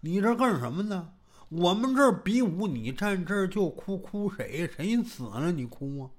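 A woman's voice: on the low side, very animated, normal speed. A woman storyteller voicing a brash, impatient young male martial hero who talks bluntly and stammers when startled. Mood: irritated.

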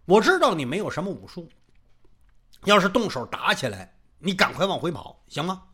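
A male storyteller voicing a protective young male hero who speaks low and steady. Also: normal speed, breathy edge, full character voice. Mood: cautioning.

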